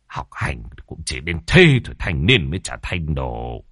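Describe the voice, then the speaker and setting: A man's voice: extremely low pitch, sing-song, a little slow, a bit bright, dry recording, studio quality, voice pushed down, exaggerated voice. A man voicing a resentful older man who mutters curses under his breath. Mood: grumbling.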